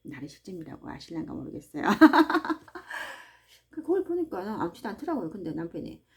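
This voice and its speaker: A woman chats about faith and home life, keeping a mellow, warm tone. Her voice rises and falls a great deal as she tosses asides to her listeners. The talk is loose and devotional rather than a formal sermon. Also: lowish voice, rapid-fire, gravelly. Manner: chatty and animated, with asides to listeners. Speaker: host of a book-reading channel. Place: small farm hut.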